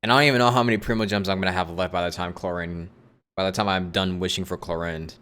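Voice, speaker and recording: Low-voiced man chatting on a game stream. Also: fairly even intonation, fast talker, a bit bright, smooth. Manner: rambling, repeats phrases, thinks aloud. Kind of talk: casual livestream chat while playing a game. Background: game music.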